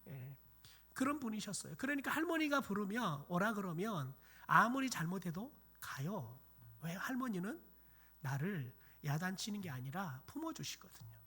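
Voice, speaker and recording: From the pulpit of a church sanctuary, a middle-aged male pastor shares folksy family stories, plays out scolding relatives and lowers his voice to whispers for emphasis. He sounds high, very animated, pushed and bright with a breathy edge, at a normal speed.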